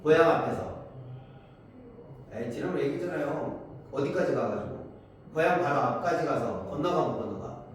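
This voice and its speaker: Man, classroom lecture, animated up-and-down voice, fairly high, echoey room heard from far off, faint hiss. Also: normal speed, long pauses. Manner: asks students questions and answers them himself. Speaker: Korean literature teacher. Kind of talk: classroom lecture explaining poems.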